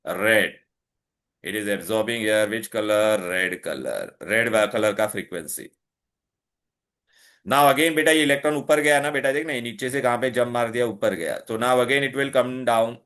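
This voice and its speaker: A chemistry tutor with a South Asian accent gives a very fast one-on-one lesson, switching between English and Hindi. His voice is medium-pitched and fairly bright, and he keeps repeating key points and quizzing the student with short questions to check they follow.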